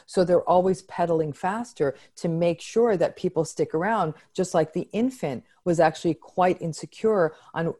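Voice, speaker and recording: Woman, low warm voice, expert interview guest, candid and articulate. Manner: articulate, frank, lively emphasis. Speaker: psychologist guest. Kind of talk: interview answer.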